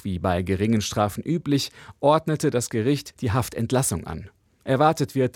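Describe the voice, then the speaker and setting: A man reporting for radio as a correspondent, with measured, even delivery. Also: fairly low pitch, slightly rough, no echo, clean studio sound. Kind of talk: news report.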